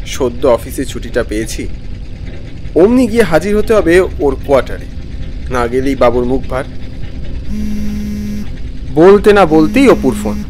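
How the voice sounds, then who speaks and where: A man playing a weary traveller who narrates his own animated ghost story expressively. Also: medium pitch, a little slow, long pauses, a little hiss or hum. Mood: weary, mildly irritated. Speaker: narrator and main character. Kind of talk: dramatized first-person horror narration.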